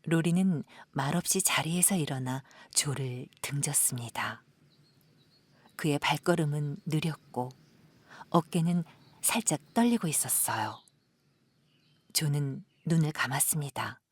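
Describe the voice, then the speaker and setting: A woman narrating a literary audio drama in a soft, measured, dramatic storytelling style. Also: low-pitched, husky.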